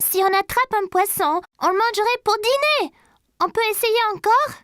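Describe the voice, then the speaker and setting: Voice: very high voice, lively intonation, normal speed, bright, forceful tone, dry recording, studio quality, exaggerated voice. A performer voicing an eager, curious little preschool boy in a French children's cartoon, earnest and full of questions.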